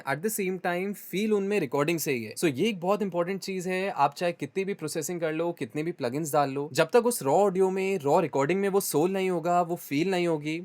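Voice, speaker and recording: A young man with an Indian accent hosts a mixing tutorial. His voice sits high for a man, and he explains things step by step in a conversational way. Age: 20s. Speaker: music mixing tutor and video host. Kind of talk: tutorial explanation, Hindi mixed with English terms. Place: small home studio, indoors.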